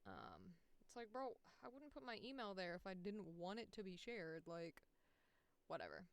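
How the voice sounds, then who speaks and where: Smooth-voiced woman livestreamer, chatty and informal. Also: medium pitch, sing-song, normal speed. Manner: informal, sweary, chatty, thinks aloud. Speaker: livestream host and voice actor. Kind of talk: casual tutorial livestream, talking through steps.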